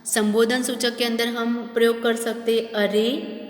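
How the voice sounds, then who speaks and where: A woman teacher explaining a grammar lesson to schoolchildren, slowly and deliberately, repeating definitions and speaking to the children directly. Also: a little high, monotone. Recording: echoey room with long reverb.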